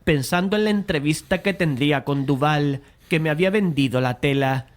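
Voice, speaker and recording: An actor as a measured painter narrating horror. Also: male voice, on the high side, lightly acted. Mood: measured, uneasy. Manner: measured, literary storytelling. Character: male painter narrating, easily frustrated, polite and self-blaming. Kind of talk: dramatized audiobook horror narration.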